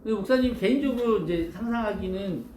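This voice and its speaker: A male pastor giving a storytelling sermon to children, animated and asking his listeners questions. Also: sits high, fast talker, echoey room, a crowd in the background.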